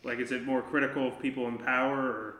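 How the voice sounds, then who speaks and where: A man's voice: mid-range voice, flat delivery, fast, sharp tone. Hesitant male podcast host, echoey room. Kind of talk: casual interview chat.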